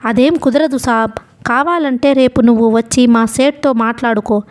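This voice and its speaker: A woman doing a loud, rude thug collecting debts. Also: on the high side, steady tone, normal speed, close to an everyday voice. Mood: rough, scornful. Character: coarse bullying male loan collector thug.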